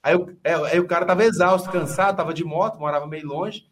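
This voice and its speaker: A man rattles off his stories at a fast clip in a slightly high voice. He talks in relaxed, slangy podcast chat about his police training. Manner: rapid, slangy storytelling. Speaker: police officer guest.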